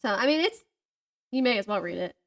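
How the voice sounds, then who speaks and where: A woman's voice: mid-range voice, animated, brisk, gravelly. A woman in her thirties chatting casually about books as a podcast co-host, giggly and gushing. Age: 30s.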